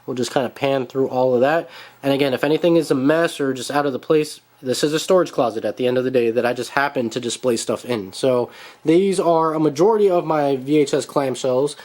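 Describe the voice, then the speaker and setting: A man touring his home toy room on a handheld phone camera, talking in a relaxed, chatty way, a little nasal from being sick. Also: medium pitch, fairly quick. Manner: chatty and relaxed, with frequent fillers. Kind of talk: casual room-tour vlog.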